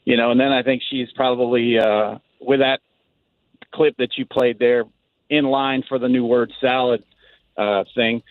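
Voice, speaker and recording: A man's voice: medium pitch, fairly even intonation, a little slow, dry recording. A man calling in to a radio show from Dallas, casual and rambling with many fillers. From Dallas, Texas. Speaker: caller. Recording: phone line.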